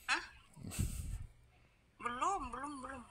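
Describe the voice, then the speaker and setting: A woman, a fitness instructor, chatting casually late at night and telling animated stories full of sighs of dismay. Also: high-pitched, slow, slight background noise.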